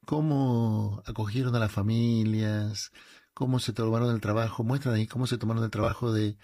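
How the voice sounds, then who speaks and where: A man's voice: fairly low pitch, fairly even intonation, normal speed, warm tone, no room sound, studio quality. A man hosting a talk show, chatting in an easy, thoughtful way and drawing out his words. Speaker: radio host. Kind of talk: casual chat. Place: New York.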